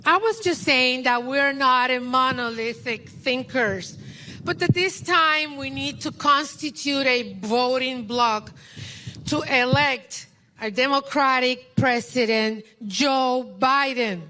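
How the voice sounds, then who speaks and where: A high-pitched woman with a Puerto Rican accent delivers a rousing rally speech outdoors. Her voice is bright and ringing, and she speaks slowly, leaning on each phrase. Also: a little hiss or hum. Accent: Puerto Rican Spanish. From Puerto Rico. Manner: impassioned, rousing.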